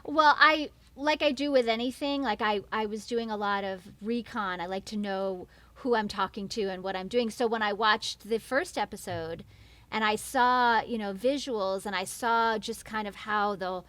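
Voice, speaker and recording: A woman's voice: medium pitch, normal speed, fairly bright tone, dry recording. An American woman from New York, chatting casually and expressively as an enthusiastic interview guest. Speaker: guest, voice actor.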